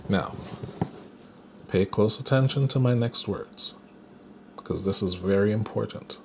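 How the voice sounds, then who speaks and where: Male spiritual teacher, unhurried, mid-pitched, faint hiss behind him. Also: creaky. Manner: slow, deliberate, with playful chuckles. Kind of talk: guided spiritual lesson.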